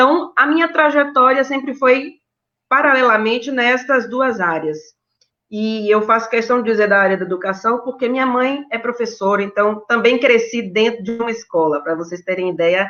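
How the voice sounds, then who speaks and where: A woman speaks at a moderate pace with a fairly high pitch. Her tone is bright and sharp. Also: lively intonation. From Bahia, Brazil (Baixo Sul, raised in sertão/Sisal region). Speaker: party activist and educator. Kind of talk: interview.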